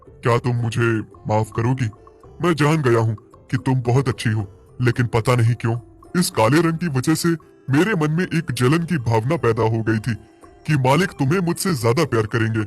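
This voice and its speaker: A man's voice: mid-range voice, moderate pace, faint music behind, lightly acted. Man voicing grumpy jealous black bull, emphatic cartoon talker. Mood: apologetic, earnest. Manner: indignant, scolding, emphatic questions. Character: grumpy jealous male black bull, soft-hearted underneath.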